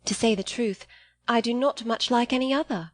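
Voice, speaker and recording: A woman's voice: fairly high pitch, moderate pace, lightly acted. Woman reading as an earnest, naive teenage girl. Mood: candid. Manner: eager, apologetic, artless.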